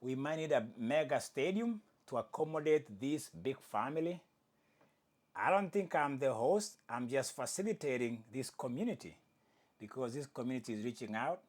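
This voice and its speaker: A man's voice: medium pitch, moderate pace. A man hosting a casual sports commentary show, with Swahili as his first language, joking and correcting himself as he talks. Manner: animated, jokey, self-correcting. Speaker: host.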